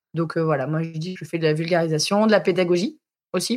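A fairly low-pitched woman at a fairly quick pace, very clean recording with a silent background. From grew up abroad. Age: 20s. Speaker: history podcaster. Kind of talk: casual interview. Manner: animated.

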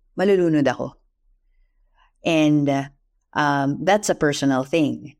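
In a Filipino accent, a woman speaks with a very deep, low pitch and ordinary pitch variation. Her fairly slow delivery comes on a very clean recording with a silent background. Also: long, frequent pauses, very even loudness. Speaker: journalist and author. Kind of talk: interview with code-switching Taglish.

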